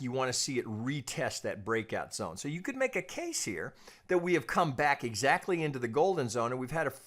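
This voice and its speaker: A man giving an informal technical analysis lesson as a trading analyst, explaining in a measured, cautious way with repeated phrases and frequent check-ins. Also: medium pitch. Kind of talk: informal technical analysis commentary over charts.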